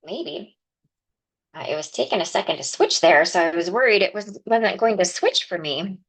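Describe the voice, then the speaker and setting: A woman's voice: on the low side, animated, normal speed. A woman hosting a live card-making stream in a chatty, explaining way, chatting with viewers by name and a little sniffly from a cold. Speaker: crafting livestream host. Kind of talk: casual live craft demonstration.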